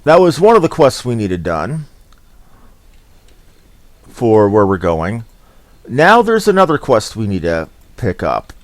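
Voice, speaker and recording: A man's voice: lowish voice, huge pitch swings, takes it slowly, pauses often, no room sound. A man casually commenting on his game, thinking aloud. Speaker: let's play host.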